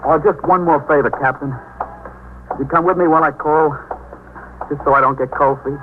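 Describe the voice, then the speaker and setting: An actor playing a young grieving sailor in a 1950s radio drama, talking in a halting, emotional way. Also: male voice, fairly high pitch, fairly even intonation, natural voice. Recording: tinny old radio broadcast with faint hiss.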